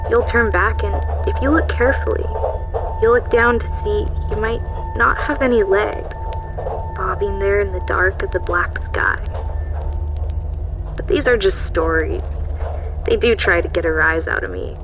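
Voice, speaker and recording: An actress playing a reflective, uneasy woman journalist, reading her travel journal in a measured, literary way for an audio drama. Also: medium pitch, music in the background, natural voice, rough recording. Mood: eerie, hushed. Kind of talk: scripted dramatic journal narration.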